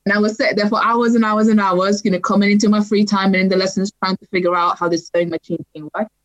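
A woman's voice: mid-range voice, steady tone, fast, lo-fi sound. A young woman from Libya who grew up in Sweden, talking casually as a podcast guest, with many fillers and restarts. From Libya, raised in Sweden. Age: young adult. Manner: chatty, many fillers and restarts, laughs lightly. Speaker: podcast guest, writer and activist. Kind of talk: casual interview chat.

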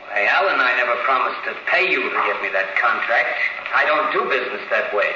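A man's voice: medium pitch, expressive, a little fast, pushed and bright, highs cut off, a little hiss or hum. An actor playing a sly businessman who feigns innocence, bland and evasive, in a 1940s radio crime drama. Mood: feigned innocence. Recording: very echoey old band-limited radio recording.

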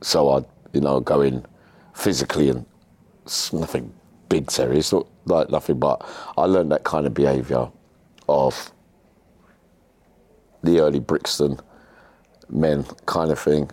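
A man's voice: rumbling low, unhurried, pauses often, a little mellow, dry recording. A middle-aged man, chatting casually as a podcast guest and telling stories in a rambling, slangy way. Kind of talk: casual chat, personal storytelling.

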